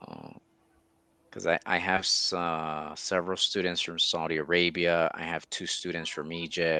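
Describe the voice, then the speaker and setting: A man speaks at a very deep, low pitch. His tone is bright and sharp. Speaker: English tutor. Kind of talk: casual chat. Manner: clear.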